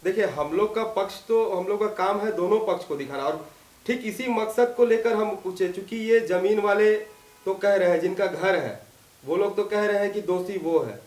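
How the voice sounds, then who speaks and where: A man with a high voice reports in a news discussion, hesitating and restarting as he goes. He sits away from the mic, so his voice sounds distant and echoey. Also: moderate pace, darkish tone. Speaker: field reporter and co-host.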